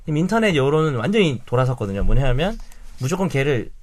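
A man in his thirties hosting a casual panel talk, animated and leading the discussion with questions. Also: medium pitch, fast, dry recording. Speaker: podcast host.

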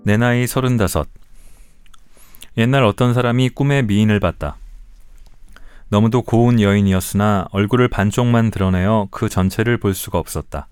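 A man in his forties reads his own literary essays aloud, unhurried and reflective. His voice sits low and sounds smooth and resonant. The sound is dry and close, with no room around it. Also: a little mellow, no room sound. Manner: slow, measured and reflective. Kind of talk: calm literary reading aloud.

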